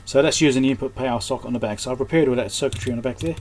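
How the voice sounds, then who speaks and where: A man's voice: medium pitch, racing, darkish tone. Man thinking aloud, noisy background. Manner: muttering, thinking aloud in short fragments. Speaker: electronics repair technician and host. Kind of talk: unscripted hands-on repair commentary. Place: indoors at an electronics repair workbench.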